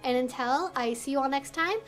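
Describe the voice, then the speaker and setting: A woman with a noticeably high voice presents an explainer vlog. She addresses her viewers directly in careful, emphatic phrases. Soft music plays faintly behind her. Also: a little fast. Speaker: video host and educator.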